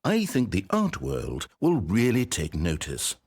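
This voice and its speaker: Synthetic man voicing a pompous husky game narrator. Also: on the low side, wildly swooping pitch, unhurried, a little mellow, dry recording, full character voice. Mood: condescending. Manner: pompous, sardonic. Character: smug, dramatic adult male game narrator. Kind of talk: theatrical narration.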